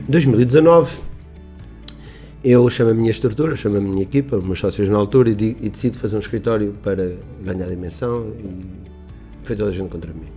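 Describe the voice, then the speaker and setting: Speaking in a radio studio, this middle-aged man from Portugal has a lowish, warm voice. He's a business owner who spins stories in a rambling, emphatic manner, full of restarts and quoted lines.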